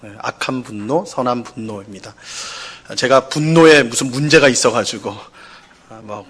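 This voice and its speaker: Korean pastor preaching conversationally. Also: male voice, mid-range voice, moderate pace, fairly bright tone, slightly rough. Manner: conversational preaching with many fillers and rhetorical questions; acts out quoted complaints in a raised, pleading voice. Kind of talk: sermon. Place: church sanctuary.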